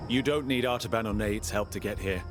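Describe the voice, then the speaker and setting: A man's voice: fairly low pitch, fairly quick, close to an everyday voice. Man playing a serious male ally, music behind. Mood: admiring, serious. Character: admiring, serious ally giving wise counsel. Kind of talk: video game voice acting.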